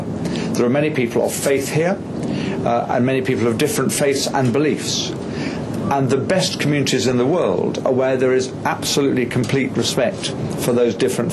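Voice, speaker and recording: Man giving a halting formal speech. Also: mid-range voice, background noise. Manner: measured, with frequent "uh" pauses. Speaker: member of parliament.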